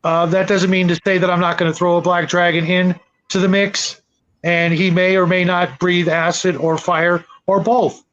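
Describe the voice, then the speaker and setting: A man talking casually in a panel discussion, halting and often repeating his words as he thinks aloud. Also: high voice, little pitch movement, fairly bright tone. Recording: dull lo-fi audio.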